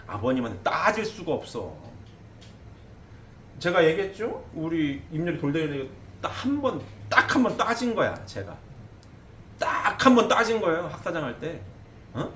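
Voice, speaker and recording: A man's voice: a little high, big pitch swings, normal speed, long pauses, a bit bright, slight background noise. A middle-aged man preaching a sermon emphatically, often asking his congregation questions and tagging "eh?". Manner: emphatic, asks the congregation questions, frequent "eh?" tags. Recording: echoey hall with faint ambience.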